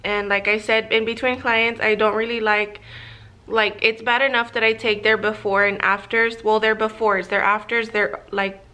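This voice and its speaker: Chatty woman in her thirties, flat-toned. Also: mid-range voice, normal speed. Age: 30s. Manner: rambling, many fillers and restarts. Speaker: vlogger and makeup artist. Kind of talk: casual chat to camera. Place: small office room indoors. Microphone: camera at desk, close framing.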